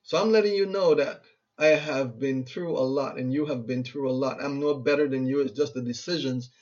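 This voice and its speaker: A man's voice: medium pitch, brisk, a little mellow. A Barbadian man in his fifties giving an earnest motivational talk as a speaker and radio host, urging listeners and repeating himself for emphasis. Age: 50s. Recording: muffled lo-fi recording.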